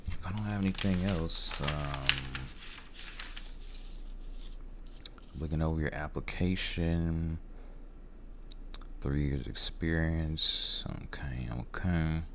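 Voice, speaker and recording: A soft-spoken American man playing a rude, jaded warehouse hiring manager in an ASMR role-play, blunt, halting and apathetic. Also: rumbling low, full character voice. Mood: offhand, weary. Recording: faint background noise.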